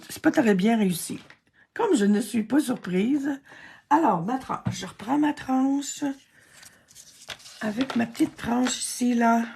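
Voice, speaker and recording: A woman's voice: on the high side, creaky, dark tone, husky. A Québécois woman chatting and thinking aloud through a card-making tutorial, self-deprecating and chatty. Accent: Québécois French. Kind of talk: casual craft tutorial narration.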